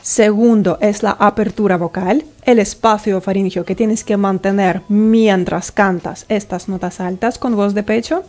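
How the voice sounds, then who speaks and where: A woman's voice: mid-range voice, steady tone, unhurried, few pauses, a little mellow. A woman singing teacher explaining vocal technique step by step and checking in with the listener.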